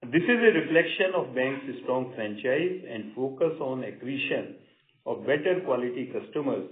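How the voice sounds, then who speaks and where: Male bank executive, Indian accent, formal measured read of prepared results, thin phone-line audio with room echo. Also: medium pitch, expressive. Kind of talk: formal prepared earnings-call remarks. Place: conference call line. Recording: roomy, narrow phone-line sound.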